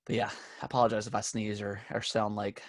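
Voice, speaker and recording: A man's voice: on the low side, little pitch movement, fast, dry recording. A young man co-hosting a podcast from his home office, stuffy from allergies and rambling through casual chat with lots of fillers and restarts. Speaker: podcast co-host. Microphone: desk setup with camera.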